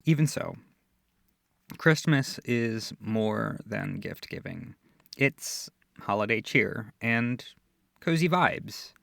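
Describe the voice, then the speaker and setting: A man playing a gentle, affectionate boyfriend in an intimate ASMR comfort roleplay, speaking softly, tenderly and reassuringly. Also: on the low side, expressive, creaky, no echo, studio quality, exaggerated voice. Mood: gently earnest. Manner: soft, tender, unhurried, reassuring.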